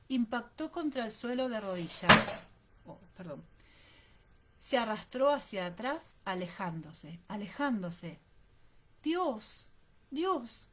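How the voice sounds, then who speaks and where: A woman reading an audiobook aloud in a steady, dramatic narrating manner. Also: medium pitch. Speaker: audiobook reader.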